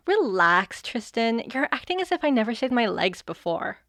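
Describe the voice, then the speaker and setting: A sassy fairy played by a woman in an audio comedy, cocky and theatrical. Her voice sits fairly high and swoops around a lot, recorded close and dry. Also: sing-song, moderate pace, a bit bright, no echo. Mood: breezy, cocky. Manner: breezy, sardonic, theatrical. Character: cocky sarcastic female fairy wielding chaos magic. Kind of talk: audio fiction comedy acting.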